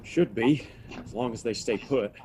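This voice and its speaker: A man playing a gruff, plain-spoken frontier man in a western audio play, with steady, folksy phrasing. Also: medium pitch, normal speed, slight background noise, natural voice. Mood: matter-of-fact.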